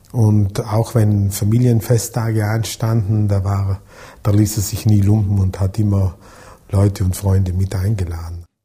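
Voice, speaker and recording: The tone is dark and mellow, somewhat breathy. Delivery is fairly slow, with monotone, flat intonation. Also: man, fairly low pitch for a man. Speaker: musician, victim's brother. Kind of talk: interview.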